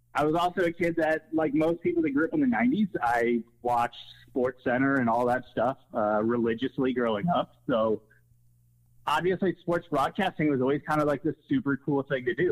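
A man with an American accent speaks at a moderate pace in an unremarkable speaking voice, with ordinary pitch variation and a dry, close sound that has no echo. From US Midwest. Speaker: sports broadcaster. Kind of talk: casual interview chat.

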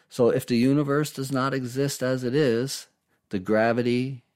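In a very clean recording with a silent background, a man with an unremarkable speaking voice talks fairly slowly at a medium pitch. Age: 50s. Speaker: life coach and podcast host. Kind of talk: solo monologue.

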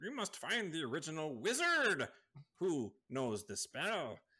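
Putting on a character voice, a man speaks at a fairly high pitch and a fairly slow pace with very wide pitch swings. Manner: dramatic character voice.

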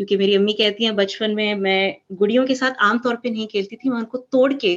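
A woman's voice, pitched fairly high with fairly even intonation, is a plain, everyday voice. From United States. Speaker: children's book author, doctor. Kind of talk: interview.

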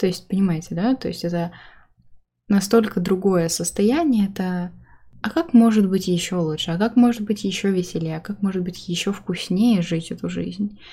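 A woman speaks at a medium pitch with ordinary pitch variation and a moderate pace. Her tone is dark and mellow, and somewhat breathy. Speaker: life coach and podcast host. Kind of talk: casual solo podcast monologue.

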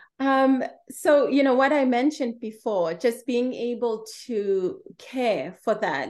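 Against a quiet background, a woman with a South African accent talks very slowly in a high pitch, her voice swinging very widely up and down. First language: Sepedi. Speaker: small business owner. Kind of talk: interview.

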